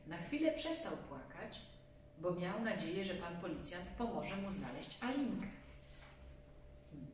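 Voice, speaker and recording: A woman reads a children's story in a slightly low voice. She is some way from the microphone in a very echoey room at home, with a faint hum. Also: big pitch swings, moderate pace, recorded from a distance. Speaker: storybook reader. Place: small room at home, seated on a sofa. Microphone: distant camera microphone.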